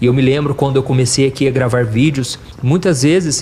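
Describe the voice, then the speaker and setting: A man's fairly high voice moves at a moderate speed while clear background noise runs underneath. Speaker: pastor. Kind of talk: sermon. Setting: recorded video to camera.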